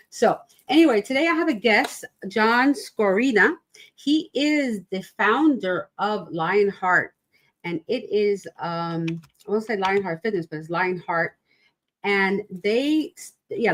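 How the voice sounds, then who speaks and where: A woman's voice: medium pitch, fairly bright tone. A woman from New York hosting a casual livestream interview, chatty and rambling, laughing often. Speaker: podcast host. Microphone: video call livestream.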